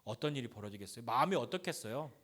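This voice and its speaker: A man's voice: medium pitch, animated, rapid-fire, a bit bright. A man pastor giving a conversational sermon, asking the congregation questions and acting out blunt, taunting quotes.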